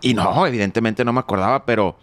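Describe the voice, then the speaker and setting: Joking chatty man, low voice. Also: fast, dry recording. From Mexico. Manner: joking, chatty, swears casually. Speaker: interview guest, drummer. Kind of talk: casual storytelling.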